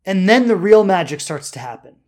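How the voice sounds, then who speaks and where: A spiritual self-help coach gives an unscripted motivational talk in a medium-pitched voice with a darkish tone. She delivers it emphatically and deliberately, stretching out key words and dropping in little rhetorical check-ins. Her intonation is lively throughout.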